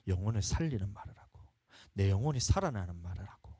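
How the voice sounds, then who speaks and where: A man's voice: fairly low pitch, big pitch swings, fast talker, mellow, husky, dry recording, studio quality. A male pastor with a Gyeongsang accent preaching a sermon in a folksy, storytelling way, urging the congregation along. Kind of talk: sermon at a revival service.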